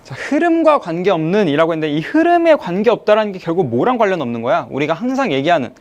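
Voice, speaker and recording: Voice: medium pitch, big pitch swings, dull audio. An English teacher giving an online exam-review lecture, explaining step by step, asking questions and then answering them. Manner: reads English sentences slowly, then glosses them; mixes polite and casual speech to students.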